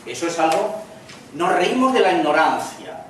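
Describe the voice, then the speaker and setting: A man with a Spanish accent from Spain, giving a lecture in a chatty way and slipping in jokes with quick acted lines. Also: sits high, lively intonation. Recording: echoey room from far off, faint noise.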